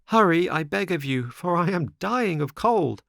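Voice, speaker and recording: Storybook puppet boy, played by a man: young, impatient, dramatic, begging, pitched high with big swings. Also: animated, a little slow, gravelly, fairly bright tone, no room sound, studio quality, heavily acted. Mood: desperate pleading. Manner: pleading, exclamatory.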